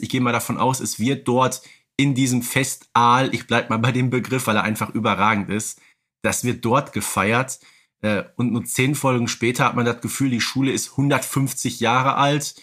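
A man's voice: mid-range voice, a bit bright. A man from Germany's Ruhr area co-hosting a casual, humorous podcast, talking emphatically with playful, mock-outraged exaggeration. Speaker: podcast co-host.

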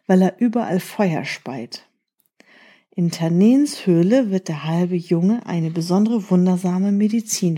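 A woman voicing a wise old sage in a children's story, explaining things calmly. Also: lowish voice, husky. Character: wise old man, calm, all-knowing sage.

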